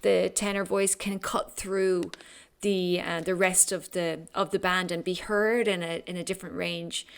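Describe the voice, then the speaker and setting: A woman's voice: lowish voice, level tone, unhurried, vocal fry, clean tone. A woman hosting a podcast, interviewing a guest in a thoughtful, explanatory way with brief laughs. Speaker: podcast host.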